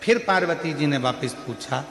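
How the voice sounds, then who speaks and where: A man's voice: a little high, lively intonation, normal speed, a bit bright, slight background noise. A man preaching a devotional sermon, telling a story with emphatic repetition. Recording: echoey hall reverb.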